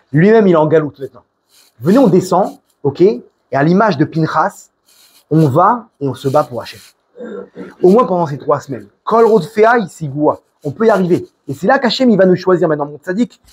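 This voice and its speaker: Husky-voiced French preacher, high and animated. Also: male voice. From France. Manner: animated, rambling, many restarts, Hebrew religious terms. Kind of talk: informal sermon with storytelling.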